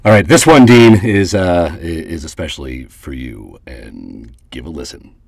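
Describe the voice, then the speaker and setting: A man hosting a podcast in casual chat. He talks haltingly, laughs easily and often agrees with his co-host. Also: extremely low pitch, animated, creaky, a little hiss or hum. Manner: halting, quick to laugh and affirm.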